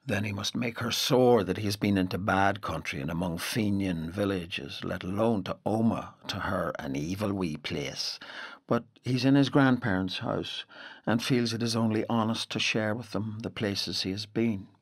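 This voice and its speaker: A man with a Northern Irish accent playing a reflective storyteller, narrating a literary audio drama in a measured, deliberate way. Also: fairly low pitch, breathy edge. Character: reflective male storyteller recalling a boy's rural Irish childhood.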